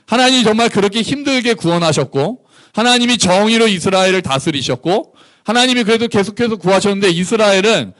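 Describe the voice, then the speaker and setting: A male pastor preaching a sermon at a church service, in a lively, conversational manner, often asking the congregation questions. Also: sits high.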